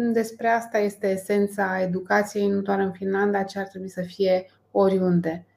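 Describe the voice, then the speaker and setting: The speaker is a woman. Her voice is pitched in the middle range. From Romania, Brașov county. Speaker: educator and teacher trainer. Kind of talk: casual interview chat.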